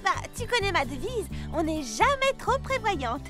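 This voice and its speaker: A self-assured young cartoon girl who runs everything. She is brisk and emphatic, very high in pitch, with lively swings over music. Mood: proud, earnest. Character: bossy, proudly organised young cartoon girl. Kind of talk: French cartoon dub for children. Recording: music under the voice.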